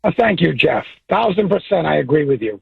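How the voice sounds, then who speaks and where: A man calling in to a talk radio show, raspy-voiced and opinionated, halting with fillers over a distorted phone line. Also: a little high, sing-song, no room sound. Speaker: caller.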